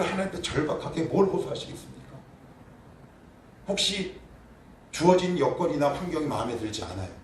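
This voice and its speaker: A middle-aged male pastor preaching a sermon, asking the congregation questions and crying out prayers. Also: a little high. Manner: animated, asks the congregation questions, shouts acted prayers. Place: church sanctuary. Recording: echoey church room, from far off, faint noise.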